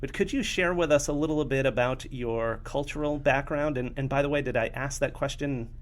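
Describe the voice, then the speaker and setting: A man's voice: medium pitch, fairly quick. A male podcast co-host with an ordinary mid-range voice. He introduces topics and questions in an earnest, somewhat self-conscious way, with occasional fillers. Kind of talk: podcast interview.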